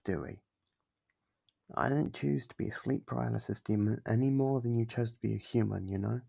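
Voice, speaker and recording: A man playing a kindly, apologetic sleep paralysis demon in a soft ASMR roleplay, speaking gently and hesitantly in a low, gravelly, husky voice. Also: exaggerated voice. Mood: apologetic, gentle. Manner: soft-spoken, hesitant, reassuring.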